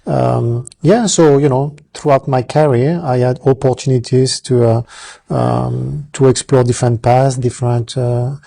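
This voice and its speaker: A middle-aged man with a French accent, talking as an interview guest, pausing often with many fillers and restarts. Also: mid-range voice, fairly even intonation, vocal fry, mellow, dry recording. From France. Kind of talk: casual interview.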